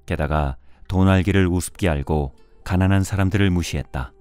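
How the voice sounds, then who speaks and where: A man reading a storybook in a measured bedtime audiobook style, with music behind him. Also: sits low, a little mellow, clean tone, no echo. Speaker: audiobook narrator. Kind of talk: scripted storybook narration for bedtime listening.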